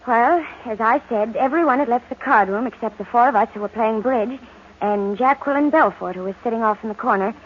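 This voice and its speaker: An actress playing a jittery, defensive young woman passenger with halting, nervous speech in an old-time radio melodrama. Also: fairly high pitch, lightly acted. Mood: uneasy, recounting. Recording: muffled, noisy old radio recording.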